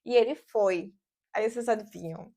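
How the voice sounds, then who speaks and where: A woman's voice: medium pitch, moderate pace. A woman in her thirties from Brazil with a Brazilian Portuguese accent, chatting casually and animatedly in a vlog from her home office. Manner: chatty and animated, lots of fillers. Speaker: vlogger.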